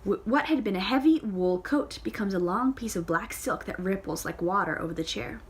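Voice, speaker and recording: A woman's voice: mid-range voice, lively intonation, normal speed, a little hiss or hum. A woman reads a novel aloud in a casual way. She often stumbles and corrects herself, and she adds playful side comments of her own. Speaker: audiobook reader.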